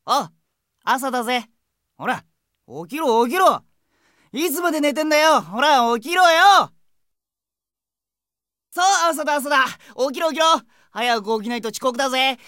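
A brash, friendly teenage boy, with a high voice in a dry, close studio sound. He talks in cheeky, boyish slang, the teasing best buddy of an anime game drama. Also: animated, moderate pace, long pauses, a bit bright, dry recording. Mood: urging, energetic. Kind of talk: anime game audio drama, character voice messages.

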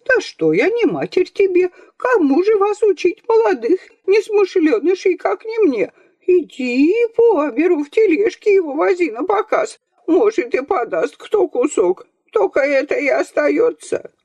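Woman doing a shrill old village grandmother, very high, scolding, wailing, dry close sound. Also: big pitch swings, a little slow, darkish tone, dry recording, muffled recording, exaggerated voice. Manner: shrill scolding and sing-song lamenting.

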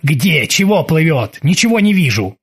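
A man's voice: a little high, very animated, normal speed, slightly rough. A man voicing a bossy, ironic male sea captain who barks orders at his crew. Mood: lazy.

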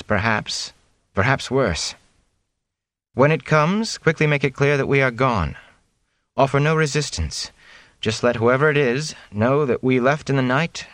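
Sorceress: a man doing a calm, commanding woman, lifted pitch, measured and firm, dry. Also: no room sound, natural voice.

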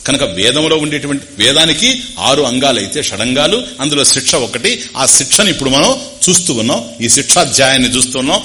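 A man with a Telugu accent giving a discourse on scripture, explaining Sanskrit terms slowly and repeating phrases. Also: mid-range voice, bright, forceful tone. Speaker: spiritual teacher.

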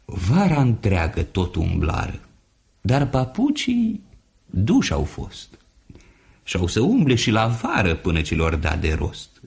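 A man's voice: fairly low pitch, wildly swooping pitch, gravelly, darkish tone, breathy edge. A man reading a children's poem aloud with a theatrical, sing-song delivery. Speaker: storyteller.

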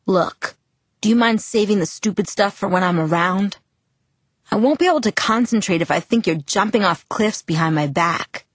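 A woman's voice: mid-range voice, moderate pace, dry recording, lightly acted. A woman reading the part of a protective teenage boy who talks bluntly and scolds with worry. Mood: scolding.

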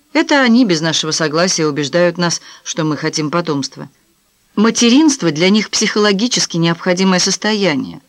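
A woman's voice: fairly low pitch, no room sound, close to an everyday voice. A woman voicing a cynical, self-assured married man who lectures in a glib, dismissive way in an audiobook.

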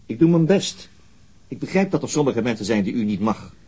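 An actor playing a persistent police interrogator in a radio crime drama, probing, controlled and insinuating. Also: male voice, medium pitch, very animated, fairly quick, dark tone, slightly rough. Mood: firm, patient. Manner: insistent, probing.

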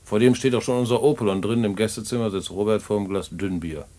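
A man's voice: fairly low pitch, quick pace, warm tone, lightly acted. An actor playing a streetwise male black-market trader who talks colloquially and confides his own story in a radio play. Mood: matter-of-fact. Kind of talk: radio play dialogue and first-person narration.

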